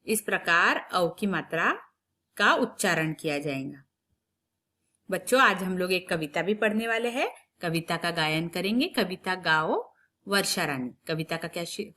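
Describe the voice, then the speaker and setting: A woman teaching young children a recorded lesson, explaining patiently step by step and drawing out sounds slowly for them to repeat. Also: mid-range voice, a bit bright. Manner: slow, drawn-out drilling of sounds, repeated for children to copy. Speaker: primary school Hindi teacher.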